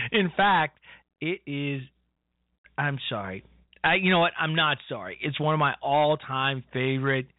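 A man's voice: on the high side, dry recording. A man in his fifties hosting an internet talk radio show, rambling casually and cutting himself off with "you know". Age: 50s. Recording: tinny phone-line audio, dry.

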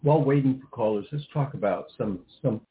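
A man co-hosting a casual talk radio show, explaining in a halting, rambling way and often rephrasing. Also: medium pitch. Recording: tinny phone-like line, faint hiss.

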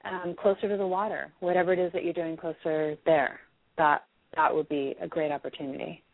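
Hoarse woman psychic reading for a caller; lowish pitch, halting then sure, dry tinny phone-quality sound. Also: level tone, dry recording. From United States. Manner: hesitant, many ums, then firm predictions. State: hoarse with a cold. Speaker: psychic reader.

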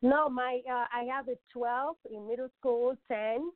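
A woman's voice: a little high, fairly even intonation, a little slow, no echo. A woman from Nigeria with a Nigerian accent, a guest answering interview questions in a joyful, prayerful way. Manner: joyful and prayerful, laughing easily. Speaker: guest, pastor's wife and author. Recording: dry, tinny phone line.

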